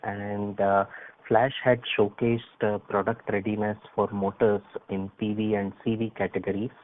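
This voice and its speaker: Indian guy analyst asking stuff on a conference call, pretty flat, polite, phone audio. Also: on the low side, moderate pace, narrow, tinny audio. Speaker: financial analyst asking questions. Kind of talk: earnings call questions.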